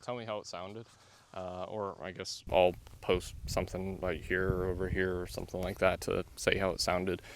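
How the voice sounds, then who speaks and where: A man with a deep, level voice speaks at normal speed while reviewing small wireless clip-on mics for his vlog. He thinks out loud in casual mic-test chatter, shifting the mic around outdoors in the wilderness where wind sometimes picks up. There's slight background noise.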